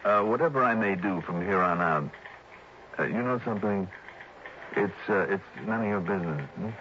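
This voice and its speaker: An actor playing a tough, wry insurance investigator who talks brisk and insistent. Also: male voice, on the low side, a bit bright, lightly acted. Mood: determined. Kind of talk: 1960s radio drama acting. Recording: muffled old radio broadcast with hiss.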